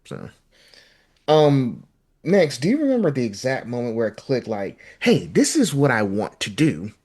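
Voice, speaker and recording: A man's voice: mid-range voice, wildly swooping pitch, a little slow, darkish tone, husky. A man in his twenties hosting a casual interview, talking in a rambling, encouraging way full of fillers. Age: 20s. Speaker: podcast host and independent journalist.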